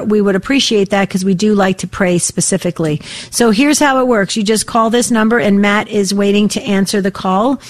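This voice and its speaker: Woman, radio host, slightly raspy, chatty and rambling, middle pitch. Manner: warm-hearted, chatty, rambling with restarts. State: voice a bit tired from early broadcasting. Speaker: radio talk show host. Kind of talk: live call-in prayer show.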